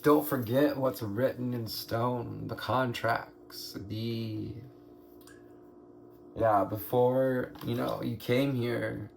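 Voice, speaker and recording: Male tarot reader, hoarse and gravelly, unhurried, meandering delivery, faint noise underneath. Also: medium pitch, steady tone. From United States. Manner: slow, meandering, musing aloud with pauses and throat clearing. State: hoarse, scratchy throat. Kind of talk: slow spiritual card reading.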